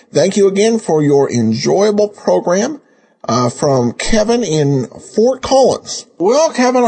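A man hosting a podcast with casual commentary and listener mail, talking in a halting, hesitant way. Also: fairly high pitch, a little mellow, husky. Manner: halting, hesitant, with repeated starts. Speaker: podcast host.

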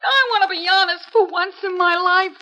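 A fiery nightclub singer with a fake French accent, haughty and theatrical. Her voice is very high and bright, with a sharp edge. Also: moderate pace, low-quality recording. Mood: tearful. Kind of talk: 1950s radio drama acting.

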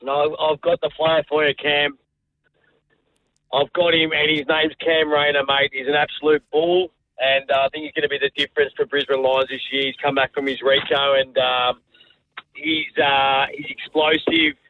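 Aussie bloke phoning sports radio, pretty flat tone, casual, tinny line. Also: male voice, fairly high pitch, normal speed. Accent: Australian. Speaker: radio phone-in caller. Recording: thin phone line, faint noise.

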